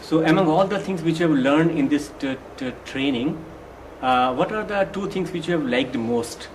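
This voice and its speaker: A man's voice: on the high side, moderate pace, roomy sound, a little hiss or hum, poor audio. Man asking short interview questions.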